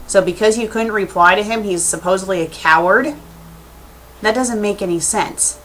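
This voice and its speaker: A woman's voice: mid-range voice, slight background noise, rough recording. A woman giving a casual video message as an online critic, speaking in an emphatic, indignant way. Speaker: online fan fiction critic.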